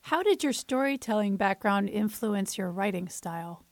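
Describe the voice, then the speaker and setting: A woman interviewer reading out prepared questions in a clear, steady way. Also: mid-range voice, normal speed, no room sound.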